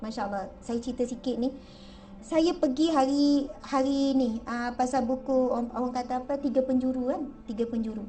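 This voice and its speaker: A woman with a Malaysian Malay accent gives a chatty religious lecture, frequently asking her audience questions. Her high-pitched voice is warm and moves at a normal speed, though she's far from the microphone.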